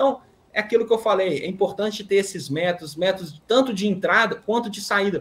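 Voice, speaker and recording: In a Minas Gerais accent, a man talks at a moderate pace with a high pitch and ordinary pitch variation. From Brazil, Belo Horizonte (Minas Gerais). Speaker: investment advisor. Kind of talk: interview.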